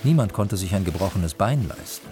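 A man giving a calm, measured literary reading for a radio feature. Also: low voice. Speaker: reader. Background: music.

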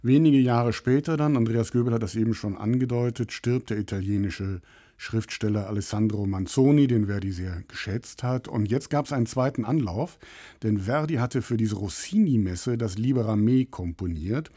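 A male radio host with a low, warm voice that carries a soft, husky grain. He introduces the piece in a measured, explanatory way before turning questions to his panel. The sound is close and dry, with no room around it. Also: no echo. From Rhineland, Germany. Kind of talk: scripted introduction and moderating a panel.

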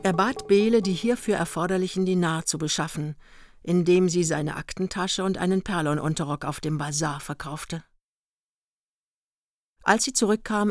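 A woman narrating a literary radio play in a measured, matter-of-fact storytelling manner. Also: fairly low pitch, no echo, clean studio sound. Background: music.

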